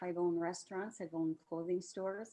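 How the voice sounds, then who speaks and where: Dark, mellow tones from a woman, set against a quiet background. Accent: Canadian. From Canada. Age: 70s. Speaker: direct sales leader. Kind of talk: testimony.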